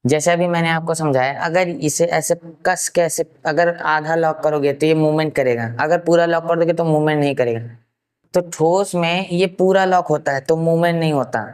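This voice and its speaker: A man from Uttar Pradesh giving a science lesson, asking rhetorical questions and answering them himself, and slowly repeating key terms for note-taking. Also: fairly high pitch, fairly even intonation, clean tone. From Uttar Pradesh, India. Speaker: science teacher. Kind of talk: classroom science lecture.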